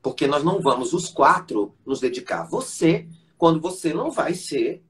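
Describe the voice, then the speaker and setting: A man's voice: a little high, normal speed. A man, a voice teacher and conductor, telling stories as the guest in an interview and acting out the voices of the people he quotes. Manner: animated storyteller who acts out quoted voices. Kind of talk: live-stream interview storytelling.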